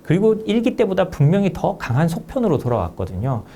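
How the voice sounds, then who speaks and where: A man, an author being interviewed as a guest, giving measured and emphatic analytical explanations. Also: high-pitched, huge pitch swings, dark tone, slight background noise.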